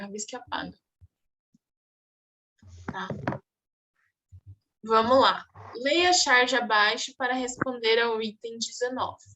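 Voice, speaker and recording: Female teacher, slightly high voice, patient explainer who keeps checking the class follows. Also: pushed and bright, a little hiss or hum. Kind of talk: online exam review class.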